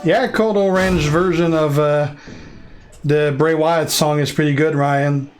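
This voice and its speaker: Faint music plays behind this young French Canadian streamer as he fields viewer questions during a live game. His fairly high voice is unhurried, and he drifts along casually, restarting sentences and using plenty of fillers.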